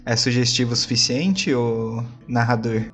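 A man's voice: medium pitch, steady tone, a little slow, fairly bright tone, faint music behind. A man chatting casually as a player in a tabletop role-playing session.

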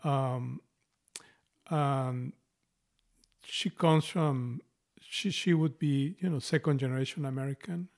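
Co-host, middle-aged man, strong Mexican accent, creaky texture, mid pitch, talks books thoughtfully. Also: takes it slowly, long pauses. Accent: Mexican Spanish. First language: Spanish. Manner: thoughtful, restarts phrases often. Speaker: podcast co-host. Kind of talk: casual book discussion.

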